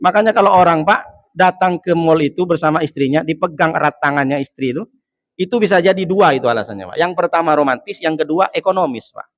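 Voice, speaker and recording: Male preacher, jokey lively sermon, kinda high voice, dull dry audio. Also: fast. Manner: joking, asks the crowd questions, rising emphatic bursts. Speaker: preacher, ustadz.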